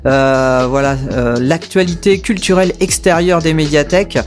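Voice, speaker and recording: A man's voice: a little high, moderate pace, soft background music. A man hosting a library radio show, presenting the program with many hesitations and self-corrections.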